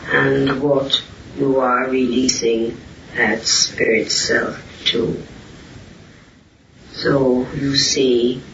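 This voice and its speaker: Older-style recording, roomy and muffled, man talking real slow and even, solemn spiritual teacher. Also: mid-range voice, creaky. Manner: solemn, deliberate, halting short phrases. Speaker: spiritual teacher answering questions. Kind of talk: spiritual discourse in question and answer. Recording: roomy, distant, muffled, hissy amateur recording.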